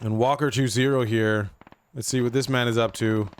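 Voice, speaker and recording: Man with a voice going hoarse. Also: medium pitch, steady tone, moderate pace. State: voice getting hoarse. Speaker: gameplay commentator. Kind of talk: casual gameplay commentary.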